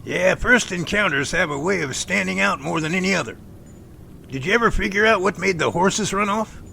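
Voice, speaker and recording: A man's voice: high-pitched, moderate pace, gravelly, sharp tone, a little hiss or hum, heavily acted. A man playing an inquisitive, courteous professor in an audio drama, attentive and enthusiastic. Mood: intrigued.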